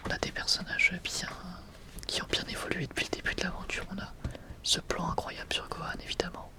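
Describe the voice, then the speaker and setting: A young adult man whispers in a casual, enthusiastic ASMR style, sometimes hesitating as he presents. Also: fairly quick. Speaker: ASMR video creator presenting a manga collection.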